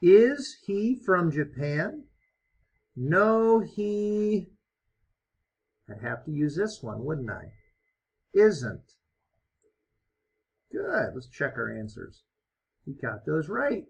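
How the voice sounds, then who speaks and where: A man teaching an online English lesson, explaining step by step in a slow, encouraging way. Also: a little high, big pitch swings, vocal fry, husky. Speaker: ESL teacher.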